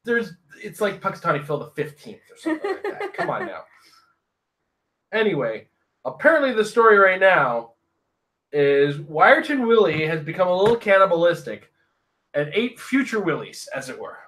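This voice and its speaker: This podcast co-host has a high-pitched, fairly bright voice with big swings in pitch, moving at a normal speed. He's an easygoing storyteller, chatting casually and spinning relaxed gaming anecdotes.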